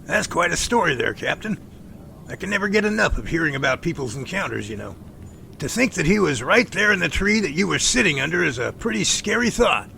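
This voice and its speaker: A man's voice: on the high side, big pitch swings, fairly quick, vocal fry, pushed and bright, a little hiss or hum, full character voice. A man playing an inquisitive, courteous professor in an audio drama, attentive and enthusiastic. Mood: intrigued.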